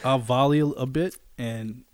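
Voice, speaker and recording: A middle-aged man telling a story in casual chat, loud and animated, laughing often as he goes. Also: medium pitch, normal speed, dry recording.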